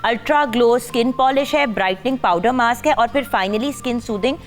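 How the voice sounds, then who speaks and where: A chatty young woman hosting a morning talk show, with a somewhat high voice. She keeps cutting in with quick asides and drops English phrases into her talk. Light music sits faintly behind her. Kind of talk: casual chat.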